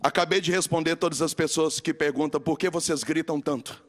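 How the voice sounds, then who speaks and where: High-voiced emphatic Brazilian preacher. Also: male voice, steady tone, fairly quick. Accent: Brazilian Portuguese. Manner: emphatic, repetitive, rising to shouted refrains. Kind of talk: sermon. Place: large church camp gathering.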